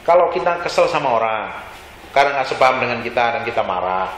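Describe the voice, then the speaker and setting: Pastor guy preaching, bright sharp voice, slangy and chatty, keeps asking the crowd questions, echoey church room. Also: medium pitch, expressive, fast talker, slight background noise. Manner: conversational preaching, keeps quizzing the congregation; casual slangy delivery. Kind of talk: lively sermon. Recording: echoey hall with faint ambience.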